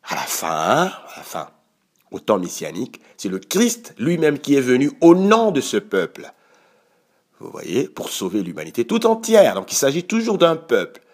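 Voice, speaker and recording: A man who leads a prayer and then preaches, slow and emphatic, often asking "vous voyez". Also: medium pitch, wildly swooping pitch, a little mellow. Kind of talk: prayer and sermon.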